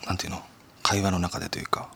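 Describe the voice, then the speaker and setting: A man's voice: low voice, completely flat delivery, rapid-fire, gravelly, fairly bright tone, slight background noise. A man hosting a podcast in casual chat, joking and mocking himself. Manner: joking, self-mocking, laughs often. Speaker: podcast host.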